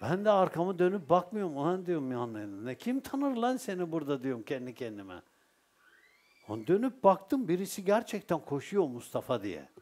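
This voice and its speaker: A man's voice: fairly high pitch, moderate pace. A man with a Turkish accent giving a religious Sufi talk, telling stories and asking his listeners rhetorical questions. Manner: lively storytelling with rhetorical questions. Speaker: Sufi teacher.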